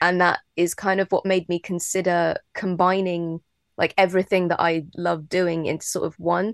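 Monotone, flat intonation in a London accent at a moderate pace, with a dry, close sound, no echo and a quiet background. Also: woman, fairly low pitch for a woman. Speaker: musician and writer. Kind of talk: casual interview.

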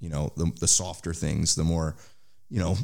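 A man with an American accent comes through on a very clean recording with a silent background. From US, San Francisco Bay Area. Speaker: venture capital investor. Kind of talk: casual interview.

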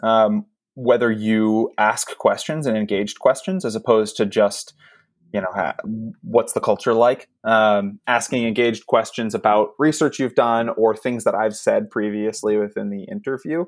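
Speaking at a moderate pace, a man with an ordinary speaking voice keeps to medium pitch with ordinary pitch variation. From US Northeast, Maine. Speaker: sales and growth executive. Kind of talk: interview. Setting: remote call.

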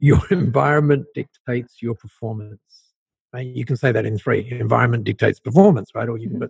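Heard dry and close with no echo, a man with a slight Australian accent talks at a moderate pace, somewhat breathy, with ordinary pitch variation. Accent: English with Australian tinge. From Dover, England. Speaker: speaker and mentor, charity founder. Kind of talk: interview, casual chat.

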